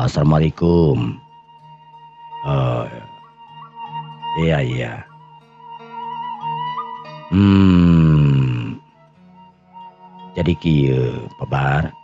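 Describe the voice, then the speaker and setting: A man with a Sundanese accent voicing a busy male company boss in a storytelling piece, speaking hesitantly and in a measured, businesslike way on a call. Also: a bass voice, dark tone, pitched below the performer's own voice, full character voice. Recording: dull lo-fi audio under music.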